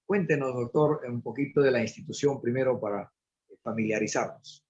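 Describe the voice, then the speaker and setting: A man's voice: mid-range voice, moderate pace, darkish tone, dull audio. A male host introducing and interviewing a guest in a formal, courteous way, with some fillers. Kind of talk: broadcast interview hosting.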